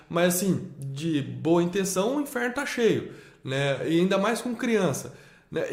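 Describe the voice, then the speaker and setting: A man's voice: sits high, reverberant. A man with a Brazilian accent, a homeschooling father talking emphatically in a casual conversation, often repeating himself and adding tag questions. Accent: Brazilian Portuguese.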